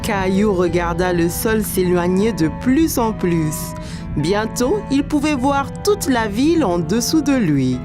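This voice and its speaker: A woman tells a children's cartoon story in a gentle storybook manner. Her pitch moves lively up and down, and faint music sits behind her. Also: takes it slowly. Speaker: narrator.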